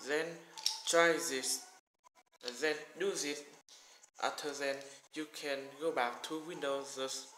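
A man with a Vietnamese accent walking through a computer tutorial, speaking halting English, apologizing and repeating his words. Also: a little high, steady tone, background noise. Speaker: tech tutorial creator. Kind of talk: screen-recorded tech walkthrough. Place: small room at a desk with a laptop. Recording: echoey room with music behind.

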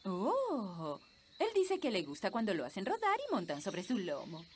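A woman's voice: mid-range voice, wildly swooping pitch, moderate pace, a little hiss or hum. A woman voicing a bossy, dry fairy nanny in a cartoon, speaking theatrically in a Latin American Spanish accent. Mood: matter-of-fact. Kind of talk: animated cartoon dub. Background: music.

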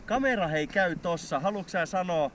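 A little hiss or hum accompanies a man's high, lively voice. He's in his thirties and hosts a fishing vlog, chatting enthusiastically on camera on a frozen lake and later at a kitchen table indoors.

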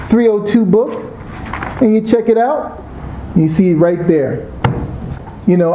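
Mellow laid-back dude rambling through his car project in a garage, faint noise behind, slangy. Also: fairly high pitch, rough recording. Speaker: car restoration vlogger. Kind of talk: casual how-to commentary. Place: garage workshop and outdoor junkyard.

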